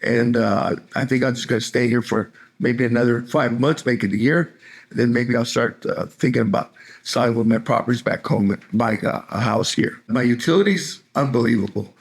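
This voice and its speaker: An older man from California, chatting casually in an interview with easygoing warmth and occasional laughs. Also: mid-range voice, fairly quick, gravelly, slightly rough. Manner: easygoing, chatty, laughs while telling stories. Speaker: interviewee, retiree in Mexico.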